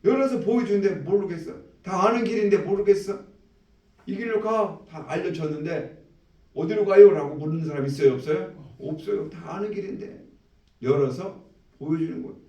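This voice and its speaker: An animated preaching man in an echoey church hall. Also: fairly high pitch, brisk. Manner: animated preaching, acts out voices of people in the story. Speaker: pastor. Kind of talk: sermon. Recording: echoey room, mic at a distance.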